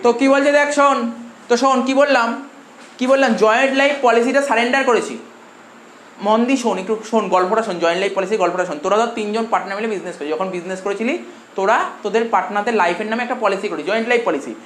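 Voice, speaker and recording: A man's voice: sits high, very fast, fairly bright tone. A man with a Bengali accent teaches a commerce class at breakneck speed, repeating points and firing questions at his students. His voice rings around an echoey room, with a faint hiss of noise behind it. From India. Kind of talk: classroom lecture.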